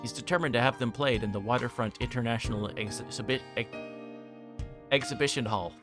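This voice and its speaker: A man's voice: mid-range voice, fairly quick, music in the background. A man livestreaming a visual novel, reading the text aloud and sometimes stumbling and correcting himself.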